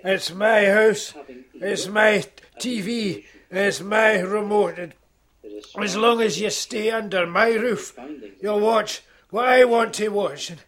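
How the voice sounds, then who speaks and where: An actor playing a stubborn, bossy old Scottish grandad with a gruff, obstinate manner. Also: male voice, sits high, a little slow, fairly bright tone. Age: older. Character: stubborn old grandad who rules his house.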